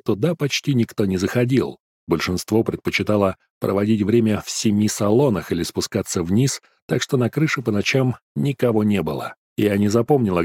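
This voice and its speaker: Man, audiobook narrator, low voice, steady even reading, dry close recording. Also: breathy edge, no echo. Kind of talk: scripted first-person fantasy narration.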